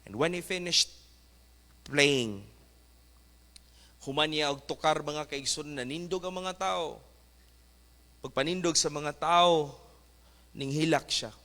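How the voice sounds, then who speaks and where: A man's voice: fairly high pitch, slow pace, long pauses, pushed and bright. A male pastor preaching a fervent sermon, mixing English exhortations into his talk. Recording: echoey church hall.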